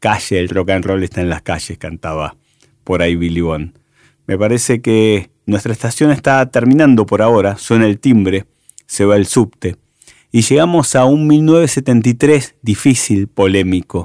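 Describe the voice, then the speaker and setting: A man with a plain, everyday voice speaks at a fairly slow pace with lively intonation, recorded very clean with a silent background and a dry, close sound with no echo. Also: fairly low pitch for a man. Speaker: history teacher and podcast host. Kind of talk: scripted narration.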